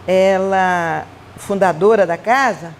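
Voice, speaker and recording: A Brazilian woman giving a Spiritist conference talk, telling personal stories in an animated, chatty way with playful asides. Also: medium pitch, takes it slowly, a little hiss or hum. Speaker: Spiritist speaker. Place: event hall.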